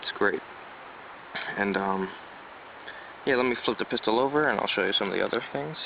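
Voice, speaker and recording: A man's voice: fairly low pitch, fairly quick, vocal fry. A man giving a casual, enthusiastic hands-on product review in an informal, rambling way. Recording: dull lo-fi sound, loud road noise. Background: traffic, passing buses and cars.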